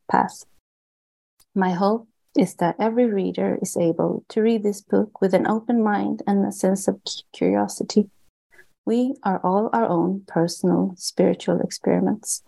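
A woman with a Swedish accent, a native Swedish speaker, reading aloud from her own book as a guest, earnest and measured, with small restarts on words. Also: medium pitch, vocal fry, mellow, poor audio. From Sweden. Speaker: author and guest.

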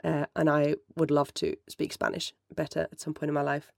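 Thirties, gravelly, dry close sound, rambling solo chat. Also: medium pitch, level tone, fairly quick, no room sound. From Finland. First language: Finnish. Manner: mellow, rambling, self-correcting. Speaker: podcast host. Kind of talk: casual solo chat answering listener questions.

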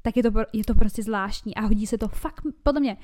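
A woman's voice: a little high, darkish tone. A young woman co-hosting a podcast, chatting frankly and bluntly, swearing freely and giggling often. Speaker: podcast co-host. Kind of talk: casual frank podcast chat.

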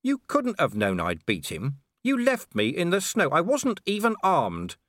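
A man's voice: medium pitch, big pitch swings, moderate pace, no room sound, clean studio sound, pitched above the performer's own voice. A man voicing a grim, furious middle-aged city watch commander in an audiobook, growling and bitter. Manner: growling, bitter, raised and forceful. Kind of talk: audiobook character reading.

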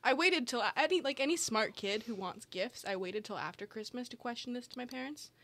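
A woman's voice: fairly high pitch, animated, fairly quick, a bit bright. A young woman co-hosting a podcast, chatting casually and telling stories with playful quoted voices. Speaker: podcast co-host. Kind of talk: casual chat.

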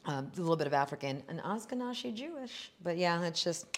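A woman hosting a podcast in an animated, chatty way, jumping from topic to topic. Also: fairly low pitch, a little fast. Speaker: podcast host. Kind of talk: casual chat.

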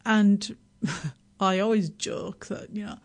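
A middle-aged woman from Yorkshire with a Yorkshire accent, chatting as a radio guest, self-deprecating and laughing often, with halting restarts. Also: medium pitch. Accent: Yorkshire English. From Yorkshire, England. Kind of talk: casual radio interview.

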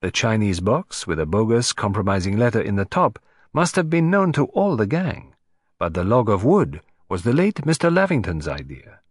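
A man's voice: lowish voice, big pitch swings, moderate pace, husky, no room sound. A man voicing a fussy, precise male Belgian detective with a French-tinged accent and a polite, dry manner. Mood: measured. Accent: French-tinged English.

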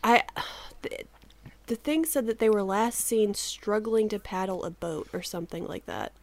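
A woman's voice: medium pitch, unhurried. A woman in her thirties co-hosting a podcast in casual chat, laughing often and swearing freely, her voice a little sleepy. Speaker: podcast co-host.

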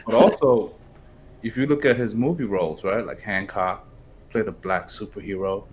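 A man's voice: fairly low pitch, normal speed, crowd noise. A man co-hosting a podcast in casual chat, rambling and dropping lots of "you know"s. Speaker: podcast co-host.

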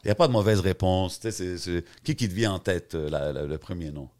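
A man's voice: low-pitched, brisk, a little mellow. A man with a Montreal French accent hosting a podcast in casual chat, mixing English slang into his French. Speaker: podcast host.

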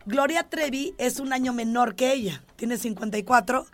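A woman's voice: on the high side, normal speed, soft background music. A woman with a Mexican accent co-hosting a casual gossip podcast, playful and teasing with slangy remarks. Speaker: podcast co-host.

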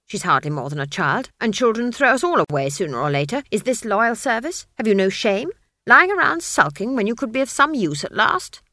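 A bossy old witch , put on by a woman reading aloud, scolds in clipped, imperious bursts. Her lowish voice swoops up and down with bright, cutting force. The sound is close and dry, like a storybook reading. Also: big pitch swings, normal speed, no echo, exaggerated voice. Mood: scolding. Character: stern old witch, sharp-tongued and commanding. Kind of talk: audiobook character voice.

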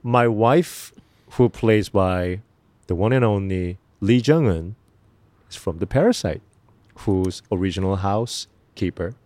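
A middle-aged man with a Korean accent, an actor answering interview questions in an earnest, halting way with many fillers and restarts. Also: low voice, animated, a little mellow, no echo. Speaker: actor guest.

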